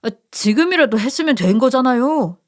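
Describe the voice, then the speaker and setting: A woman's voice: high voice, lively intonation, normal speed, a little mellow. A woman voicing a young husband who argues back, pleading and indignant, in a radio story. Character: defensive young husband, son-in-law.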